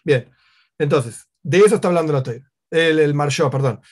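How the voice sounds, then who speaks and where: A man's voice: on the high side, normal speed, breathy edge. A man teaching a Torah lesson, who explains at length with asides and Yiddish-style Hebrew terms.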